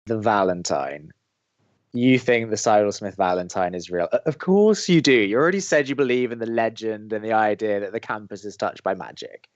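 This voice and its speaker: A man's voice: on the low side, lively intonation, moderate pace, dull audio, close to an everyday voice. A man playing a cynical, exasperated young campus radio co-host in an audio drama, bantering with a sardonic, argumentative edge. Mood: dry skepticism.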